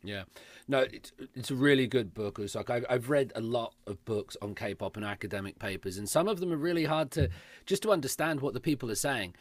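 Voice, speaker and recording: A man of middle pitch hosts a relaxed podcast chat, his voice dry and close with no room sound. He talks loosely, repeating words as he restarts his sentences. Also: fairly quick, no echo. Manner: easygoing, stammers on restarts, uses slang like "I dig those vibes". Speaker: podcast host. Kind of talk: casual interview conversation.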